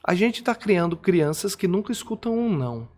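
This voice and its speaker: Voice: medium pitch, sing-song, moderate pace, darkish tone. A speaker in casual conversation, explaining ideas through everyday examples.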